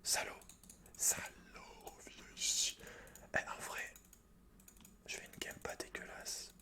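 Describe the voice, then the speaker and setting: A man's voice: takes it slowly, sharp tone. A man whispering casual, slangy ASMR gameplay commentary close to the mic in a teasing way. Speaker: gaming ASMR host. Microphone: close microphone. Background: computer keyboard typing.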